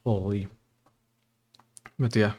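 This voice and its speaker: A man's voice: lowish voice, steady tone, takes it slowly, mellow, husky. A young man from Portugal chatting on a livestream, rambling with fillers and reading text aloud at his desk mic. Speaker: streamer. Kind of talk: casual livestream chat and reading.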